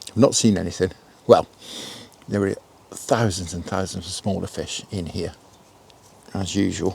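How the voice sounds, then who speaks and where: The quiet speaker moves at a moderate pace with long, frequent pauses, fairly even intonation and big swings in loudness. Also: man, very deep, low pitch for a man. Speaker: angling vlogger. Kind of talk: casual vlog narration. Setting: outdoors by a river. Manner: quiet, kept-down voice.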